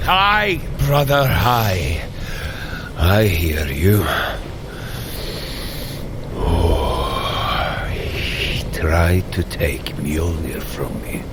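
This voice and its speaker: An actor playing a proud, wrathful thunder god who declaims in grand, archaic speech in a fantasy audio drama. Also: male voice, sits low, sing-song, extremely slow, pauses often, background noise, heavily acted. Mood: pained, weary. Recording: dramatic music behind.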